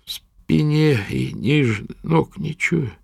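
A man voicing an injured, weary peasant who answers quietly and with strain. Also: on the high side, expressive, slow pace, creaky, no echo, clean studio sound, pitched above the performer's own voice, exaggerated voice. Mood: weak.

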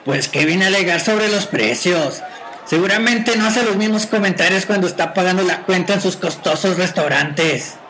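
Guy doing a mouthy mexican crook for a radio drama, high sharp voice, mocking, faint crowd behind. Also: moderate pace, poor audio. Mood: sneering. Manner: mocking, curt, colloquial. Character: brash, crooked, mouthy younger street guy, rude and cheeky. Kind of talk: radio play acting.

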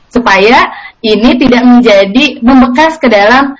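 A woman's voice: on the high side, a little slow, rough recording. A woman from the audience asks the speaker a question at a religious talk, hesitating with fillers. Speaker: audience member asking a question.

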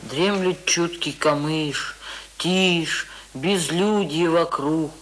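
A dutiful schoolboy in a radio play, with a slightly high voice. He sounds artless and plain, as if reciting a lesson. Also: very slow, fairly bright tone. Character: village-staying city schoolboy, dutiful, plain-spoken. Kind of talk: radio drama acting.

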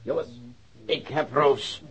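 A man's voice: medium pitch, slow, heavy background noise, close to an everyday voice. A man acting a confident, insistent police detective in a Dutch radio drama, with a businesslike manner. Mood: brisk, determined. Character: brisk, confident male police detective questioning and plotting. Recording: dull, lo-fi radio drama recording.

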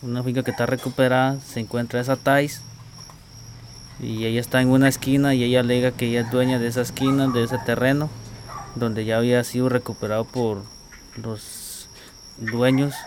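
Community spokesman, flat and hesitant, outdoors with noise behind him. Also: medium pitch. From Costa Rica. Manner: halting, repeats words while searching. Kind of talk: field interview answers. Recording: outdoor field recording with clear background noise.

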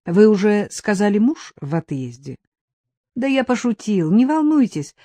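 A woman voicing a kind, easygoing man who teases gently, in a storybook reading. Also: mid-range voice, sing-song, unhurried, no echo. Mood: teasing. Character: kind, joking male stranger giving a lift.

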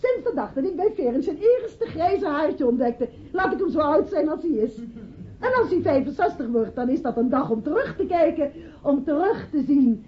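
A devoted, chatty hostess addresses party guests in a high, gushing voice. She halts and repeats herself as in an improvised toast. The radio-play recording sounds slightly muffled. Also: lively intonation, normal speed, slight background noise. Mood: festive, emotional. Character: effusive hostess toasting her husband's birthday, devoted and chatty. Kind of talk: Dutch radio play acting.

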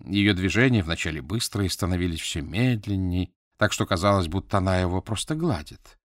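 A man reading an audiobook as scripted narration, measured and even. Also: deep voice, dry recording, studio quality.

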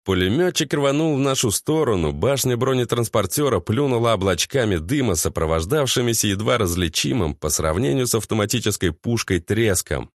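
A man giving steady, measured first-person audiobook narration. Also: lowish voice, no room sound.

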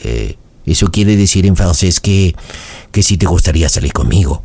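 A man playing a deep-voiced French romancer. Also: husky, heavily acted. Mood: romantic. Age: 40s. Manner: flowery, courtly, slow romantic flattery. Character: smooth-talking French suitor man, middle-aged.

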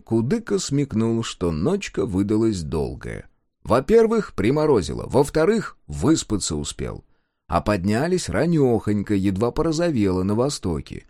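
A man reads a folk tale in a folksy, expressive storyteller's manner. His pitch moves in a lively way while his tone stays dark and mellow. The recording is dry and close. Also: no echo. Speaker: audiobook narrator. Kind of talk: scripted storybook narration.

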